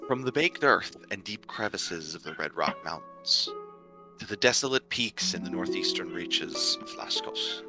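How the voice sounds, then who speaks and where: A man from the United States serving as dungeon master, narrating a tabletop game livestream in a halting way with many fillers and restarts. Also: sits low, huge pitch swings, over music. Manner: halting, full of ums and uhs and restarts.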